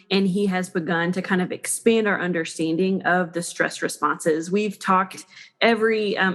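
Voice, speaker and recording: A woman with a mid-range voice, a regular guest on a podcast, explains things in a clear and steady way. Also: mid-range voice. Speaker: program director, regular guest. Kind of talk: podcast interview.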